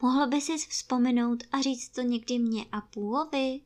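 A woman voicing an eager, excited little boy who asks pleading questions. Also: sits high, pitched above the performer's own voice, lightly acted.

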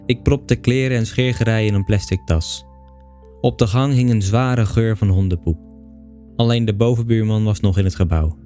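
A man tells a bedtime story in a calm, even, dryly understated way. His voice sits low and mellow, unhurried and steady. Soft music plays faintly behind him. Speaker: audiobook reader. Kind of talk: scripted narration of a bedtime story.

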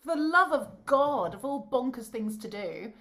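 A bubbly woman talks animatedly over a video call, laughing easily as she chats. Her voice sits fairly high and rings bright and forceful. She speaks as a singer and voice coach. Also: expressive, normal speed. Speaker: guest, opera singer and voice coach. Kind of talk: casual chat.

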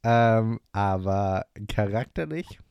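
A man co-hosting a casual podcast, blunt and joking, with loud reactions. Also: fairly low pitch, lively intonation, takes it slowly, clear, resonant tone, no echo, dull audio. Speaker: podcast co-host. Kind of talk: casual chat.

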